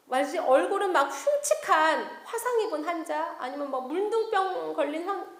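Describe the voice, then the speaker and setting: A woman missionary giving an animated testimony sermon in a church meeting hall, quizzing her audience as she tells her story. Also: extremely high pitch. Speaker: missionary preacher. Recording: echoey hall.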